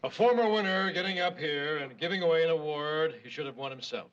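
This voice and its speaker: A man's voice: fairly high pitch, a little fast, recorded from a distance, close to an everyday voice. An actor playing a blustering, self-important male TV newsman in an old sitcom. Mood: pompous. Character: pompous, vain male TV newsman. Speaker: newscaster. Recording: muffled noisy old TV audio from off-mic.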